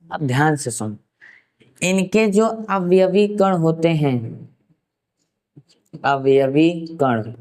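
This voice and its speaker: A man from Uttar Pradesh giving a science lesson, asking rhetorical questions and answering them himself, and slowly repeating key terms for note-taking. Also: sits high, expressive, a little mellow. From Uttar Pradesh, India. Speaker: science teacher. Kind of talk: classroom science lecture.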